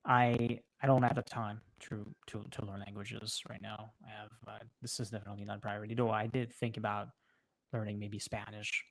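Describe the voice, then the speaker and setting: A man with a French accent, a native French speaker, chatting casually on a livestream and answering viewers in a halting way, often pausing mid-sentence. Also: lowish voice, level tone, creaky, poor audio. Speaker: livestream host.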